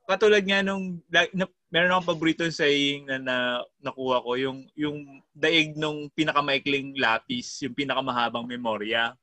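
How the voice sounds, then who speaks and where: A man hosting a podcast interview, talking in a relaxed, chatty way. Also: fairly high pitch, normal speed, dry recording. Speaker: podcast host. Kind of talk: casual conversational interview.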